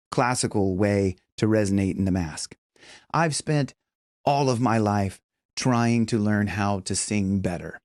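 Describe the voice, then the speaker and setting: A man's voice: mid-range voice, darkish tone, no room sound, studio quality. A middle-aged man giving an instructional voice lesson as a vocal coach, explaining things step by step. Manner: demonstrates with hums and sung tones. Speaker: vocal coach and professional singer.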